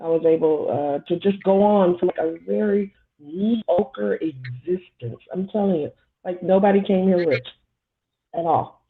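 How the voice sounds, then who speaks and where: A woman's voice: lowish voice, unhurried. A woman in her forties, born in Somalia, speaking as a guest on a casual panel chat in a candid, rambling way. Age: 40s. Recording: tinny phone-like line.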